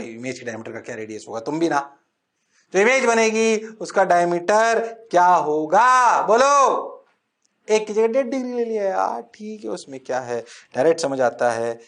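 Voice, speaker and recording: Male physics tutor, high voice, playful sing-song coaxing, exam-prep lecture, drops English terms. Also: a bit bright. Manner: mixes English terms into speech. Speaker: physics teacher.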